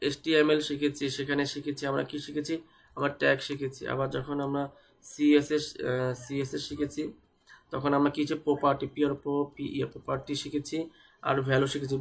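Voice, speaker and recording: A man's voice: fairly high pitch, monotone, a little fast, vocal fry. A young man with a fever teaching a web development class, explaining step by step and spelling terms out. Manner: explains step by step, repeats words and spells them out. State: speaking slowly because of fever. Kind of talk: live online coding class.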